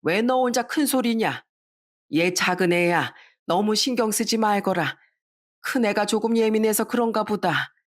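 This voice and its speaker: A woman voicing a patient older father-in-law in a story radio drama, gently chiding and reasonable. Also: medium pitch, normal speed, close to an everyday voice.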